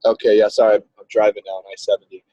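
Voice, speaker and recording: A man's voice: lowish voice, little pitch movement, very fast, mellow, no echo. A man talking casually on a car speakerphone while driving, a ministry coach who explains with a rambling manner and many restarts. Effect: car speakerphone on a call. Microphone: phone on a video call. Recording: dull, lo-fi call audio.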